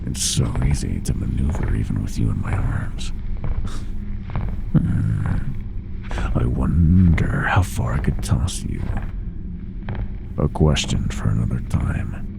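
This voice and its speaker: A man voicing an ancient, possessive monster in a horror ASMR roleplay, gloating and menacing with a gravelly, breathy half-whisper and mock-tender taunts. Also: rumbling low, slow, pauses often, background noise, full character voice. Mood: possessive, pleased.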